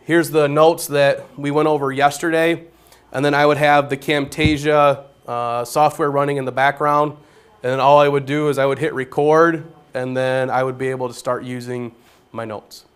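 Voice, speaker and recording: A man who teaches geometry, walking through how he records video notes, with a naturally loud voice and a plain step-by-step way of explaining. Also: medium pitch, level tone, normal speed, clear, resonant tone. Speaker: high school geometry teacher. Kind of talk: classroom technology demonstration.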